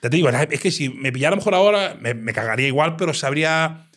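A man with an animated storytelling manner, recounting his time as a nightclub bouncer in a casual interview. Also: fairly high pitch, fast. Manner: animated storyteller, acts out quoted dialogue.

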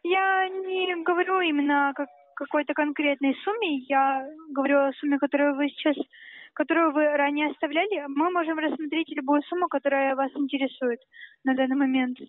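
A woman's voice: high-pitched, fairly even intonation, brisk, no room sound. A woman working as a bank telemarketer, formal, polite and persistent on a sales call. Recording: dry, tinny telephone line.

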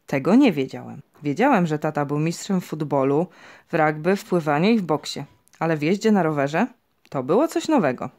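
A woman narrating a children's storybook audiobook in a lively, expressive way. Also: low voice, brisk. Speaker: audiobook reader.

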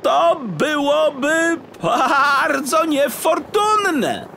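A croaky, smug frog official from a children's storybook. The voice is high and swoops wildly, with drawn-out, courteous words. Faint helicopter noise sits behind it. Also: male voice, sing-song, sharp tone, exaggerated voice. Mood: smooth, insistent. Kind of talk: audiobook character acting for children.

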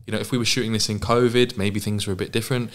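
Fast-talking man with a lowish voice. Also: flat delivery. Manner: quick, repeats words, laughs easily. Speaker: co-director and actor, guest. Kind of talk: animated interview talk. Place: studio set with lit mirror, indoors. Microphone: desk mic on stand.

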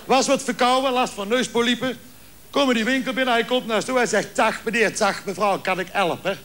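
Brief: male joke teller, high-pitched, acts out every character in his stories. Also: brisk, a little hiss or hum. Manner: lively storyteller acting out dialogue. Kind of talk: stand-up joke telling.

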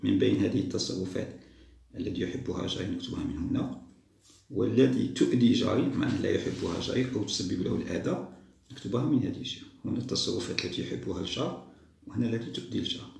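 A man patiently walking young schoolchildren through a test, repeating each answer slowly. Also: lowish voice, vocal fry, a little mellow, roomy sound. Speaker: teacher solving a school test. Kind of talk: step-by-step lesson for young children.

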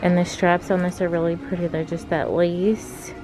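Chatty young woman, flat low voice. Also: normal speed. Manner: chatty, lots of "like" fillers. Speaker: fashion vlogger. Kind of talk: casual shop-with-me narration. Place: clothing store indoors. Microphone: handheld phone camera. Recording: background music playing over voice.

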